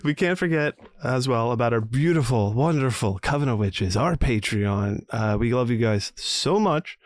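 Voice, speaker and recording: A man's voice: mid-range voice, expressive, moderate pace, no echo. A man hosting a horror movie podcast in casual chat, reading taglines aloud and laughing often. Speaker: podcast host.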